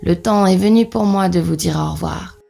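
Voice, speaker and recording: A woman voicing a calm, stern but forgiving magic fish in a children's fairy tale cartoon, measured and admonishing. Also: fairly low pitch, vocal fry, faint music behind. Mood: solemn.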